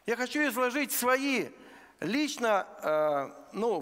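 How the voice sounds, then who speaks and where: A man from eastern Ukraine preaching a sermon in a church, earnest and deliberate, laying out his points one by one. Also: very high voice, fairly bright tone. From Luhansk region, Ukraine. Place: church sanctuary. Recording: long church hall reverb.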